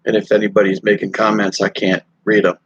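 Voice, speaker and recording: Gravelly middle-aged man rambling on a live stream. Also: on the low side, completely flat delivery, no room sound. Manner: rambling, halting, with many fillers and restarts. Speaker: motorcycle vlogger live streaming. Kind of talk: casual live stream chat. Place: hotel or rest stop while traveling. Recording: dull lo-fi dry sound.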